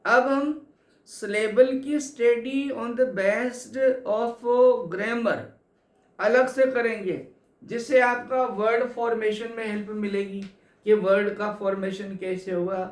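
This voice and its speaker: A man teaching English literature for exams, explaining slowly and repeating key points to his students. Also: high-pitched, fairly even intonation. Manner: slow, repetitive explaining, addresses students as kids. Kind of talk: exam coaching lecture. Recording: echoey room.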